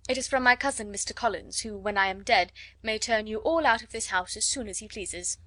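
A woman voicing a wry, teasing middle-aged gentleman who speaks in a calm, measured way in an audiobook. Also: mid-range voice, no room sound, close to an everyday voice. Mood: dry. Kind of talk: audiobook character voice.

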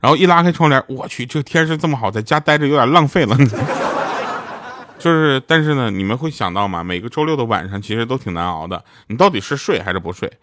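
A man's voice: mid-range voice, lively intonation, brisk, fairly bright tone, a little hiss or hum. A man who voices radio dramas, telling funny stories in a casual, chatty monologue and laughing at his own punchlines. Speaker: radio drama voice actor promoting his show.

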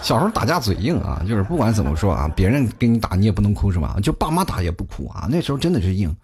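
A man's voice: fairly low pitch, very animated, racing, a little mellow. A man telling funny stories in a chatty comic monologue as a talk show host, often laughing at his own jokes.

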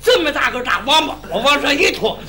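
A man's voice: very high-pitched, very animated, a little fast, bright, forceful tone. A man leading a comic crosstalk routine, telling a tale as a stammering country bumpkin. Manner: playing a blustering country bumpkin, stammering restarts. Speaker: lead comedian in a crosstalk duo.

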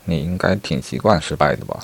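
A man's voice: a bass voice, big pitch swings, fairly quick, gravelly, a little hiss or hum, heavily acted. A man telling a story and voicing a blunt, mocking male wolf who scorns the weak.

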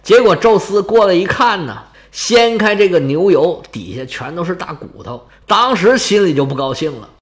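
Animated, jokey male storyteller. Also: sits high, normal speed, few pauses. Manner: colloquial, lively, jokey asides. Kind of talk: humorous myth storytelling.

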